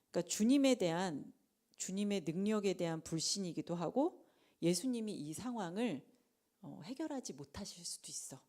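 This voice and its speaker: A woman preaching at a late-night prayer meeting in a conversational sermon style. She acts out the lines of the people in the story and sometimes drops to a whisper for emphasis. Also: medium pitch. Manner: animated, acts out the disciples' and Jesus' lines in dramatized quotes.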